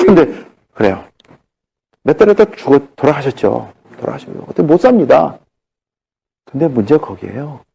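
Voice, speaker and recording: A man giving a seminar talk, telling stories in an animated way and acting out the dialogue. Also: a little high, vocal fry, breathy edge. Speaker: seminar speaker on cancer.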